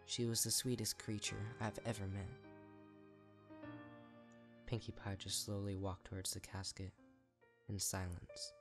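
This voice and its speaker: Deep-voiced man narrating a story. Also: little pitch movement, measured pace, pauses often. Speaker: fan fiction reader. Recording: faint music behind narration.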